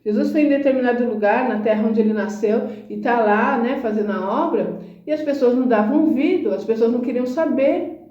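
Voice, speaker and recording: A woman's voice: fairly high pitch, brisk, mellow, roomy sound, dull audio. A woman giving a conversational sermon, speaking earnestly and emphatically and often asking rhetorical questions. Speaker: Christian speaker.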